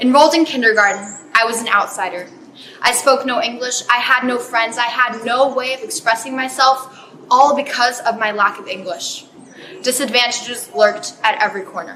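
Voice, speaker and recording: A woman speaks at a moderate pace in a high pitch, with ordinary pitch variation and big swings in loudness. Noticeable background noise runs behind her. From US, born to Hungarian family. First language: Hungarian. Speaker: student speaker. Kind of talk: prepared speech.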